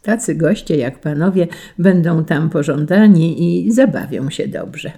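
A woman's voice: low voice, animated, a little slow, creaky, mellow, breathy edge, full character voice. A woman voicing a cheerful male estate tenant, urging guests persuasively in a read-aloud story.

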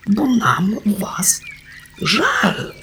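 A man's voice: lowish voice, lively intonation, slow, fairly bright tone, a little hiss or hum. Man playing an old grave beaver elder. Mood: tearful.

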